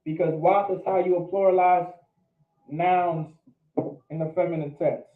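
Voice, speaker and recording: A man with a high-sitting voice, steady tone and measured pace teaches a language class in lecture form. He is emphatic, pressing his points and repeatedly asking "all right?" to check understanding. The room is echoey and the audio sounds phone-like.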